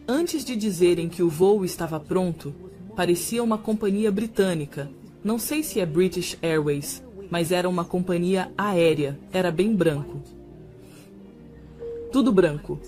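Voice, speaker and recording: A woman's voice: lowish voice, dark tone. A mother giving an earnest religious testimony of a vision, often repeating her words. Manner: earnest, repetitive retelling.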